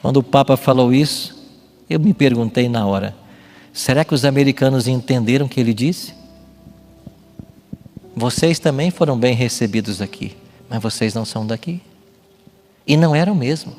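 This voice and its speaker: A man's voice: medium pitch, moderate pace, pauses often, a little mellow. A Brazilian man preaching a sermon as a pastor, didactic and emphatic, often posing rhetorical questions. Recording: long hall reverb with music behind. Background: music.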